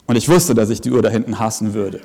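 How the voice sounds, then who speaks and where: A man's voice: on the low side, fast talker, gravelly, mellow. A man preaching a sermon in an emphatic, earnest way with joking asides, heard in a large hall at an evening service. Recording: long reverb of a big hall.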